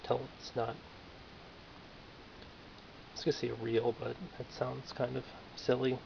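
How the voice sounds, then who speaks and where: A man's voice: mid-range voice, monotone, measured pace, creaky. A man casually reviewing a toy figure in a dry, offhand, self-mocking way, in a lo-fi home recording with faint hiss.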